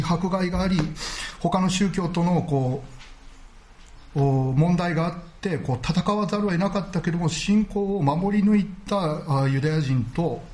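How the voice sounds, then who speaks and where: A man delivering a Sunday sermon, his voice sitting a little high. He speaks earnestly and at a measured pace, filling pauses with small verbal fillers. He slows down deliberately to press home his main points. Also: a little mellow. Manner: measured, earnest preaching with frequent filler words. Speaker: pastor.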